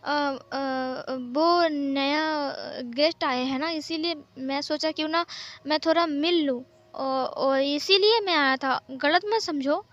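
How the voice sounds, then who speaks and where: A woman voicing a hot-headed, childish young man who stammers in quick outbursts, in a storybook recap. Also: high-pitched, steady tone, a bit bright, highs cut off. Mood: flustered.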